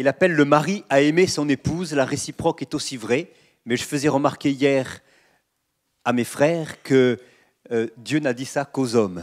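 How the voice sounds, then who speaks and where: A man with a slight southern French accent speaks at a fairly high pitch, leaving long, frequent pauses. The recording is very clean with a silent background. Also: ordinary pitch variation. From southern France. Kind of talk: sermon. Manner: hesitant, repeats words.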